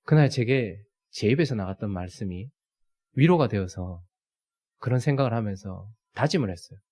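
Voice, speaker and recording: A man's voice: fairly low pitch, lively intonation, normal speed, darkish tone. A man, preaching a sermon and telling a family story, acting out the scenes. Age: 30s. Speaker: pastor.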